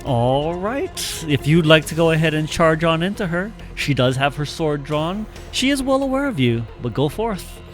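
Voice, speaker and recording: A man narrates as game master, his pitch swinging up and down as he describes the scene. He stops often for little fillers and restarts. Soft music plays quietly behind him. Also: sing-song. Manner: halting, filler-heavy narration. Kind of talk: narrating an online tabletop game.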